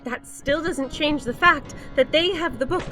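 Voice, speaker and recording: A woman's voice: high voice, unhurried, over music. An actress playing a blunt, wounded female spy, desperate and self-sacrificing, in an audio drama. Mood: angry panic.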